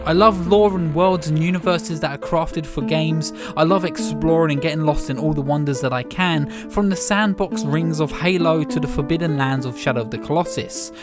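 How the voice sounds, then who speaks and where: A slightly hoarse man narrating a scripted video essay as its host, in an earnest, enthusiastic way. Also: a little high, normal speed, few pauses. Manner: earnest, enthusiastic reflective delivery. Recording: music playing under the voice.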